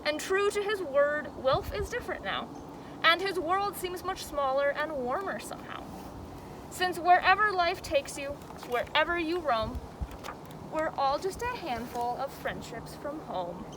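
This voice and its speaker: A high-pitched woman hosts story time as a zoo educator, expressive and dramatic in her delivery. Clear outdoor noise, with some vehicle rumble, sits behind her voice. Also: a little slow. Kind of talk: animated children's storybook reading and educational talk.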